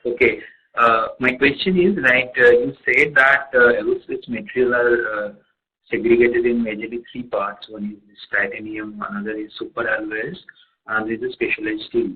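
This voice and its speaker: Husky man heard over a tinny phone line. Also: medium pitch, fairly even intonation. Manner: halting, with many fillers. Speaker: analyst asking a question on an earnings call. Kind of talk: conference call question.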